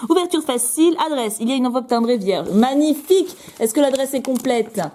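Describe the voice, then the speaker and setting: Speaking in a high, expressive voice, this young woman takes her time. She's a YouTuber going through fan mail on camera, chatting casually, bubbly and playful, with frequent fillers and repeats.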